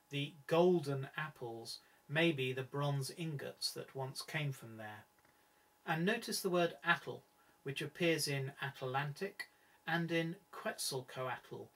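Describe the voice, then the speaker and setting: Man, middle-aged, scripted lecture narration, measured and formal, medium pitch, slightly far from the microphone. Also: fairly bright tone. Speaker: presenter.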